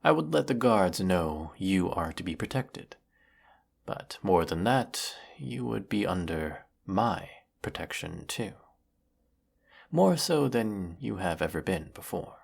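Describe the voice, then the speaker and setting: A very low, slow-speaking galactic tyrant, acted out by a man for a sci-fi roleplay. He is formal, theatrical and quietly menacing, with heavy gravel in the voice. Beneath the cruelty sits a silky, lonely weariness. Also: big pitch swings, exaggerated voice. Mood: soft, coaxing. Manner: measured, theatrical, menacing, formal villainous drawl. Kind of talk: scripted sci-fi audio roleplay monologue.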